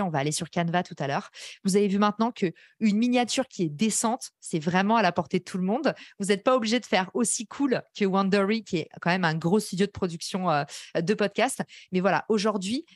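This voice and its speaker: A woman's voice: mid-range voice, dry recording. Chatty woman teaching, dry close sound. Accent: English-tinged French. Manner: chatty, enthusiastic, addresses the audience directly. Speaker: podcast course instructor. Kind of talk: live workshop teaching.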